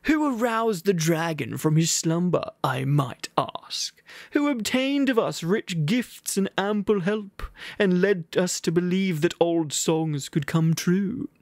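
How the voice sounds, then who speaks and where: A man voicing a posh, obnoxious male town master who speechifies loudly and haughtily. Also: sits high, expressive, no room sound, clean studio sound, pitched above the performer's own voice, full character voice. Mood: indignant. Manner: loud, haughty, drawn-out speechifying.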